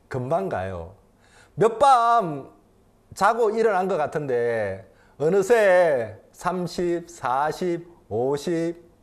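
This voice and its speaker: Animated Korean pastor preaching. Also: male voice, a little high. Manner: swings between loud emphatic and quiet intimate delivery; repeats key phrases for emphasis. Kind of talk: sermon.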